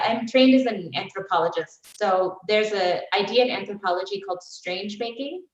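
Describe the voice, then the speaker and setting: A woman who grew up in the United States, speaking as an author on a festival panel, musing aloud in a thoughtful, fluent way. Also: mid-range voice. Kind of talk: reflective panel talk. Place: festival venue. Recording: distant mic, roomy, dull sound.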